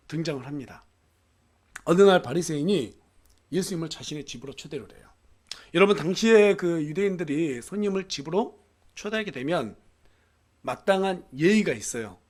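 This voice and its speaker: A man with a notably high voice delivers a Sunday sermon from the pulpit. He preaches earnestly, leaning on rhetorical questions and little affirming fillers between phrases. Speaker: pastor. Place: church.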